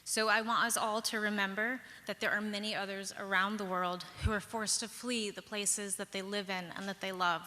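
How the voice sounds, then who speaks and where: A young woman from the Pacific Northwest telling a personal story on stage, measured and reflective, with lilting pauses. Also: mid-range voice, little pitch movement, pushed and bright. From Pacific Northwest, USA. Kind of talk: personal story told live. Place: large hall, live stage. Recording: long hall reverb.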